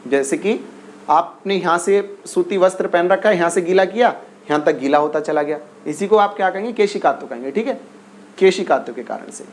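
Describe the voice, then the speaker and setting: A man teaching an exam-prep class in a high, bright-toned voice. He repeats each question several times and keeps urging his students to answer fast. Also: slight background noise. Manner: repetitive, coaxing, drills questions and urges quick answers.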